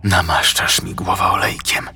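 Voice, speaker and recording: Male narrator doing a devout warrior deep in a low murmured psalm, grave and unhearing, for a horror audiobook, soft music behind. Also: level tone, normal speed, breathy edge, exaggerated voice. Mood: solemn prayer.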